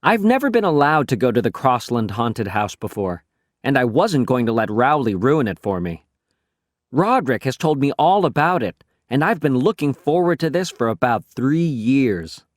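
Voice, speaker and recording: A man reading a first-person children's story aloud as an audiobook narrator, telling it in an expressive, boyish voice. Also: mid-range voice, normal speed, no room sound, studio quality.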